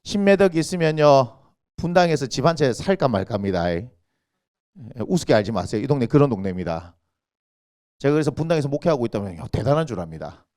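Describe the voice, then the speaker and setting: A man's voice: medium pitch, expressive, fast talker, darkish tone. A male senior pastor, preaching a sermon in a church and quizzing the congregation with rhetorical questions. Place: church sanctuary.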